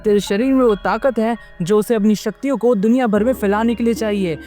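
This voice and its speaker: A man voicing a friendly, loyal male jinn in a storybook tale, speaking in a warm, earnest way. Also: sits high, a little fast, soft background music, voice pushed up, lightly acted.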